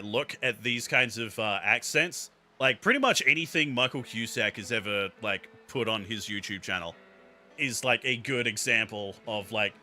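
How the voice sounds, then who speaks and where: A man's voice: medium pitch, sharp tone. A man streaming a game with a friend, joking, reading on-screen text aloud and laughing often. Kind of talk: casual let's-play commentary.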